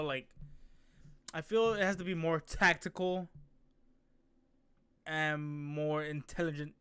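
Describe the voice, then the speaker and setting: A young man giving casual reaction commentary as a streamer watching an animated fight. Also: a little high, clean tone, dry recording.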